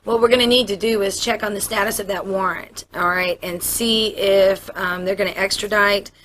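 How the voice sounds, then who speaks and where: A woman's voice: mid-range voice, fairly even intonation, normal speed, a bit bright. An American woman, a police officer, explaining procedure to a suspect in a matter-of-fact interview manner. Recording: noisy interview room audio.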